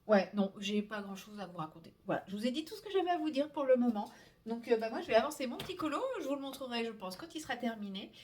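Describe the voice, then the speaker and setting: A vlogger from France chats casually while coloring at her indoor desk, filmed by a tripod-mounted camera. Her voice is fairly high, animated, quick, darkish, and husky, and she pokes fun at herself and occasionally drops to a whisper.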